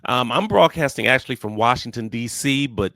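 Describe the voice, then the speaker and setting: A man's voice: mid-range voice, expressive, a little fast, pushed and bright, no echo. A man hosting a radio interview, asking questions in a friendly, easygoing way.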